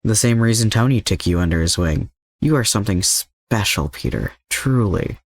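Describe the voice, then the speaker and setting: A man voicing a calm, manipulative older mercenary villain in an audio story, composed and coaxing. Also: fairly low pitch, normal speed, dry recording, clean studio sound.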